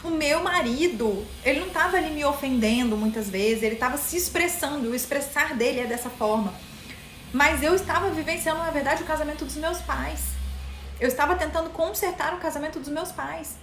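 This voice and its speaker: A woman with a Brazilian Portuguese accent, speaking high in her range, chats directly with her viewers during a casual live session. Her voice carries a roomy echo, with a faint hiss underneath. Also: a little fast, a bit bright. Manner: chatty, addresses viewers directly. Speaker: mental health content host.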